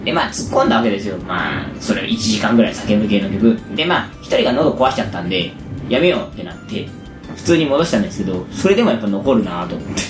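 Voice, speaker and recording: A man with a hoarse, raspy voice worn out from shouting, chatting casually and at length as a show host. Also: fairly low pitch, very animated, quick pace. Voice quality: hoarse, gravelly rasp from overused voice. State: hoarse after a day of shouting karaoke. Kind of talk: casual chat. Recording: echoey room with music behind. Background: background music.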